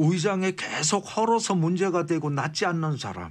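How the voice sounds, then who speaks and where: Against a quiet background, a man speaks fairly slowly. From Korea. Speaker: Korean medicine doctor; guest. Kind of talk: health talk show interview. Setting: studio. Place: studio. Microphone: studio mic.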